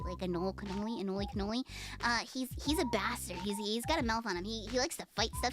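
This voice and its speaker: A young woman VTuber chatting casually on a livestream, giggling and rambling with many fillers as she reads comments. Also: fairly high pitch. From United States. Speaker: VTuber streamer. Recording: music playing behind voice.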